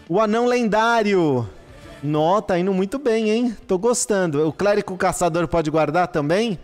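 A man, commentating a live gaming stream, excitable and exclaiming and swearing at what he gets. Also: sits high. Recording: long reverb with faint music behind. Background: faint background music.

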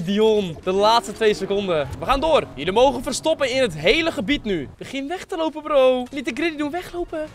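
A high-voiced man in his 20s streams an online hide-and-seek game, giving excitable live commentary. His speech is slangy and peppered with English gaming terms. He sits at a gaming desk in a small indoor room, close to a desk microphone.

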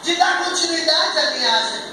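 A man's voice: very high voice, moderate pace. A middle-aged man with a Brazilian accent, preaching a sermon as a missionary in a small church. He speaks into a handheld mic with fervent delivery. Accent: Brazilian Portuguese. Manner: fervent preaching, rising to shouts at climaxes. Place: small church hall with a band stage. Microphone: handheld mic, filmed from the back of the room. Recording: echoey room from far off with loud noise.

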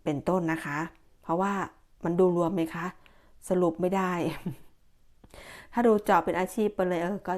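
Lady doing a monthly tarot reading, kinda low voice, chatty, keeps repeating herself. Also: steady tone, moderate pace, long pauses, a little mellow. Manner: chatty, repeats warnings with many fillers. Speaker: tarot reader. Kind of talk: monthly horoscope reading, casual monologue.

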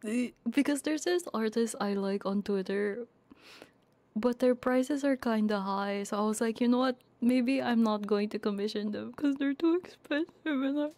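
A woman's voice: fairly high pitch, no room sound. A tearful woman chatting casually as a livestream host, flustered and apologetic, close to the microphone. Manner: flustered, self-deprecating, apologetic, drifting into soft whispers. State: tearful, crying while laughing. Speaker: ASMR streamer and Vtuber host. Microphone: binaural ASMR microphone, close.

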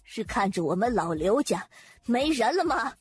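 A woman acts an imperious, indignant wife of a powerful man in an audiobook drama. Her husky voice is cold, haughty and sarcastic, over faint music. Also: a little high, very animated, moderate pace, dry recording, heavily acted. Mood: cold accusation.

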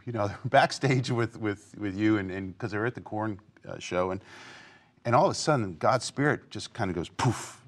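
Deep-voiced male talk show host. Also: moderate pace. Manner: affirming, frequent "yeah" and "mm-hmm". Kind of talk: interview questions.

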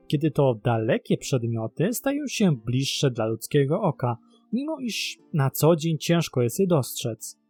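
Husky male storyteller, lively intonation. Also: mid-range voice, no echo. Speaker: narrator of a mystery web series. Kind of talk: scripted documentary storytelling narration.

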